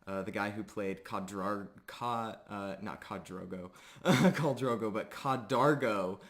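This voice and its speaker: A man with a fairly low voice hosts a game stream at a very unhurried pace. He talks informally and haltingly, like a game master chatting before a session. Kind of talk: casual chat introducing a live roleplay stream.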